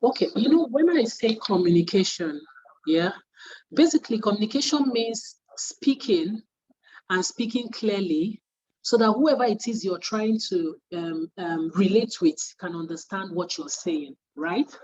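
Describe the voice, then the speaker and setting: A woman's voice: medium pitch, unhurried, darkish tone, lo-fi sound. A woman, a media training facilitator, teaches trainees in an earnest way and repeats her points for emphasis. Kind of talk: spoken lesson to trainees.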